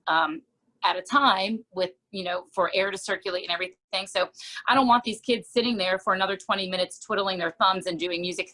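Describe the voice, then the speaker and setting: Chatty woman with a bright voice. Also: medium pitch, low-quality recording. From New Jersey. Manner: chatty, lots of ums. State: tired, worn voice. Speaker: music teacher, interview guest. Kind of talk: casual interview chat.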